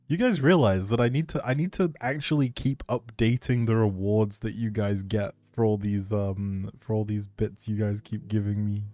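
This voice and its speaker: A man's voice: on the low side, fairly even intonation, normal speed, few pauses, warm tone, dry recording. A man chatting casually to viewers on a game livestream, musing aloud as he plays. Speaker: game streamer. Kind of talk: casual livestream chat while playing a life-simulation game.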